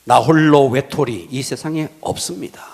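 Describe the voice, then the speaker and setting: A man's voice: mid-range voice, moderate pace, vocal fry. A male pastor preaching a sermon, telling illustrative stories and letting his sentence ends fall to a whisper. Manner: animated delivery, drops to a whisper at sentence ends; tells illustrative stories to the congregation.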